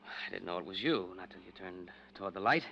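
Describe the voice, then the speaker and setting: An actor playing a tough, suspicious waterfront man in an old radio drama, speaking in a gruff, clipped, confrontational way. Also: deep voice, lively intonation, fast talker, bright, forceful tone, heavily acted. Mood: grudging. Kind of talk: golden age radio drama acting. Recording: noisy vintage radio recording.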